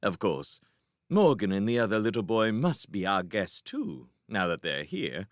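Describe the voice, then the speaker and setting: A man's voice: on the low side, very animated, unhurried, dry recording, clean studio sound. Man voicing a gracious, opinionated princess. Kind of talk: audiobook character voice.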